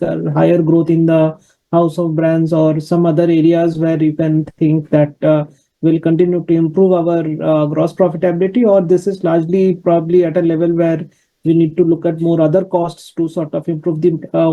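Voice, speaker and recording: A financial analyst asking questions on an earnings call, heard through dull conference call audio. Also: mid-range voice.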